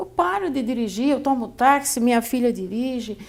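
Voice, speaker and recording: A woman speaks here. Her voice sits high in pitch. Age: 60s. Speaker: psychology professor. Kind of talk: interview.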